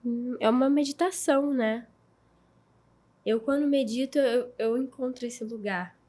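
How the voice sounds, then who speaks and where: Expressive woman co-host, slightly high. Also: measured pace. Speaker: podcast co-host. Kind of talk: casual podcast chat.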